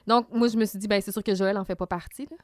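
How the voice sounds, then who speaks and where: A woman's voice: medium pitch, steady tone, quick pace, a little mellow, no room sound, clean studio sound. A woman with a Quebec French accent, co-hosting a casual podcast and explaining things at length with many fillers. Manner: explanatory, talks through detail with fillers. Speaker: podcast co-host. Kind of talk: casual episode recap chat.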